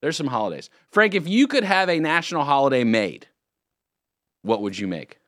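A man hosting a morning radio show, chatting in a jokey, rambling, animated way in a studio. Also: medium pitch, normal speed, no room sound. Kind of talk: casual morning radio banter. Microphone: studio microphone.

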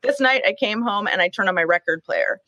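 A woman's voice: mid-range voice, animated, brisk, sharp tone, no echo, lo-fi sound. A woman chatting from home as a podcast panelist, friendly and talkative, laughing easily as she tells stories. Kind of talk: casual chat. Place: home in Seattle. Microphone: video call.

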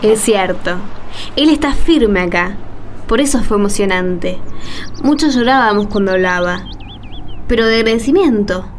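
A woman's voice: mid-range voice, lively intonation, moderate pace, slight background noise, close to an everyday voice. A woman playing an emotional, caring shantytown neighbour in a radio drama, chatty, with an Argentine accent. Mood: moved, grateful. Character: warm, emotional shantytown neighbour and devout friend.

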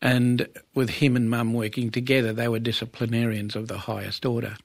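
Male, 70s, Aboriginal Australian accent. Creaky, weathered storyteller being interviewed, unhurried repeats and pauses, dry sound. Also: medium pitch, level tone, no echo. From Western Australia. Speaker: interview guest, Aboriginal elder. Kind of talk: conversational reminiscence.

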